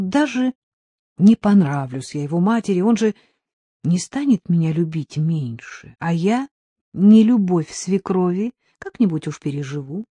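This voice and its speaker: A woman narrating an audiobook with expressive storytelling on a close mic. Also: on the low side, slightly rough, dry recording. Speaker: audiobook reader.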